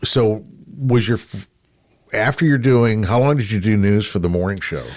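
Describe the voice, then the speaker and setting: Low-voiced, rambling American man. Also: moderate pace, a little mellow. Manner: rambling, wry, self-deprecating. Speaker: radio broadcaster, podcast co-host. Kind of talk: casual chat.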